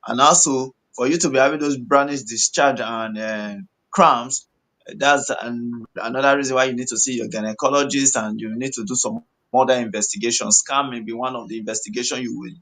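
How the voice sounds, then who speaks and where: Male doctor, West African accent, explanatory Pidgin English, reassuring and repetitive with halting phrasing, medium pitch. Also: fairly even intonation, a bit bright, low-quality recording. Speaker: medical doctor answering questions. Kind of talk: explanatory health question-and-answer in Pidgin English mixed with English.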